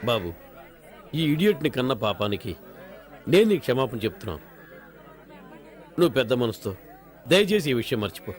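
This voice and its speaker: A man's voice: mid-range voice, sing-song, brisk, long pauses, a faint crowd, lightly acted. An actor playing an exasperated older father who scolds his daughter and pleads for forgiveness, repeating himself emphatically. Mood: pleading. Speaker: film character. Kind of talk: dubbed film dialogue.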